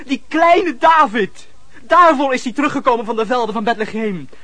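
Devoted prince, extremely high pitch for a man, reverent, declamatory, fervent, biblical radio play. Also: normal speed, sharp tone, no echo. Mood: earnest, reverent. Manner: declamatory, solemn, repeating phrases for weight. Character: king's devoted, earnest grown child, reverent and fervent. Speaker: radio drama actor. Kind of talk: Dutch radio play acting.

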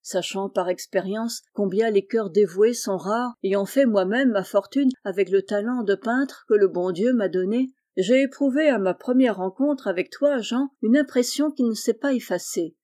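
A kind, wealthy gentleman painter speaks gently and reassuringly to the young men he looks after, as a woman narrator puts him on. The tone is mellow and warm, and his reading has the calm of a storybook. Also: mid-range voice, normal speed, hardly any pauses, close to an everyday voice. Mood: tender. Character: kind wealthy middle-aged male painter, benefactor.

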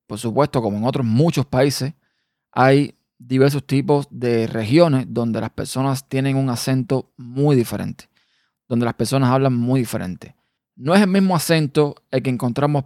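A man with a Cuban accent hosting a personal podcast monologue, a quick talker who sometimes trips over his words. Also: mid-range voice, darkish tone, dry recording, studio quality. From Cuba. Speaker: podcast host.

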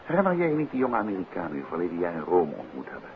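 An urbane gentleman detective in an old radio play, with a deep voice and very lively intonation. He is unruffled, evasive and dryly ironic. The recording is muffled, with some background noise. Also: racing, heavily acted. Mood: relaxed, teasing. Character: unruffled, evasive middle-aged gentleman detective, teasing husband. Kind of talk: 1950s Dutch radio drama acting.

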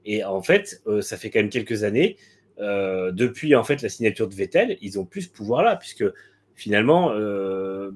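A man with a slightly low, husky voice co-hosts a casual motorsport chat. He gives frank, blunt opinions and often stalls on fillers before going on. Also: very animated, normal speed. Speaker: motorsport podcast co-host.

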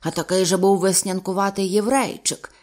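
A woman's voice: medium pitch, fairly even intonation, a little fast, a little mellow, lightly acted. A woman doing a hearty old sea captain. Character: stout old male sea captain, blunt and jovial.

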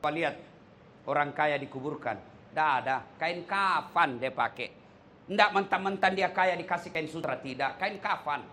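A man's voice: a little high, normal speed, a little hiss or hum. A male preacher giving a sermon full of stories and rhetorical questions to the congregation. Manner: animated storytelling, rhetorical questions to the audience.

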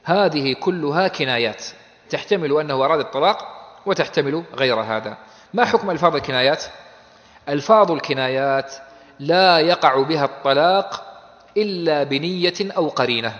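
This is a man teaching a classical law text in a classroom lecture. He keeps putting questions to his students and answering them in plain, everyday terms. His voice sits a little high. The dull, muffled recording carries a long echo from the hall. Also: expressive, brisk, fairly bright tone. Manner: explains in plain conversational terms.

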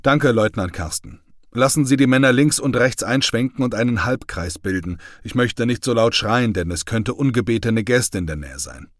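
A man's voice: mid-range voice, animated, moderate pace, no echo, clean studio sound, natural voice. A man reading the part of a stern male army company commander giving formal, clipped orders. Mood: commanding.

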